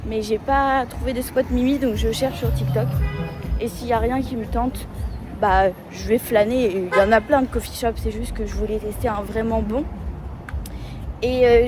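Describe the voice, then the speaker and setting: Chatty young woman vlogging on the street. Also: fairly high pitch. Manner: chatty, rambling, thinking aloud. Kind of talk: casual travel vlog while walking. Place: outdoors on city streets. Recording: street noise, passing traffic. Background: urban street ambience with vehicles.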